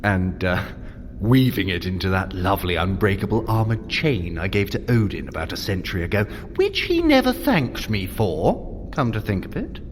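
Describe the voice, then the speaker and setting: A slippery vain trickster god, super animated pitch, theatrical and glib, radio drama with light ambience. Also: male voice, moderate pace, slight background noise. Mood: sly. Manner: theatrical, glib, self-justifying. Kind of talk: audio drama acting.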